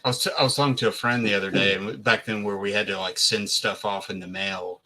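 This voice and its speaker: A man's voice: fairly low pitch, steady tone, fast, bright, forceful tone. A man in his forties chatting casually on a podcast in an easygoing, agreeable way. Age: 40s. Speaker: podcast co-host. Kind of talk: casual chat.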